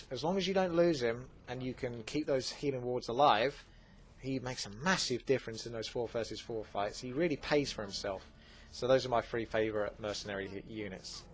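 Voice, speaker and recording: A man's voice: medium pitch, slight background noise. Chatty Essex man answering questions. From England. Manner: relaxed, chatty, lots of fillers. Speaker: gaming channel host. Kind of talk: casual Q&A commentary.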